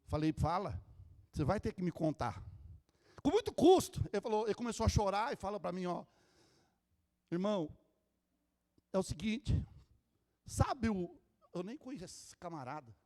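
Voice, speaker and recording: A man with a Brazilian Portuguese accent preaching a Pentecostal sermon as pastor, fervent and shouting at times, then hushed while telling a story. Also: high-pitched, very animated, normal speed, pauses often. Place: large church hall. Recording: long church hall reverb.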